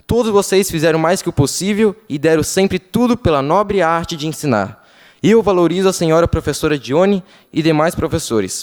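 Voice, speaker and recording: A young male councillor reading a formal tribute speech with a Brazilian Portuguese accent, careful and measured, with a few pauses. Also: fairly high pitch, a little mellow. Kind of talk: formal speech read aloud. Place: council chamber. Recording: long reverb of a council chamber.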